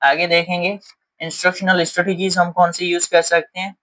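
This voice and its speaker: A man's voice: sits high, flat delivery, a little fast, pushed and bright, poor audio. A man teaching a lesson, explaining step by step in a patient way with frequent fillers. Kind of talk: explaining lesson in Hindi-English mix.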